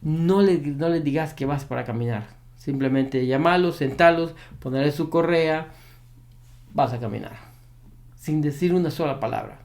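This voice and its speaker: A man's voice: mid-range voice, gravelly, darkish tone. A man who trains dogs giving an advice monologue to camera, repeating his key points with emphasis. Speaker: dog behavior trainer.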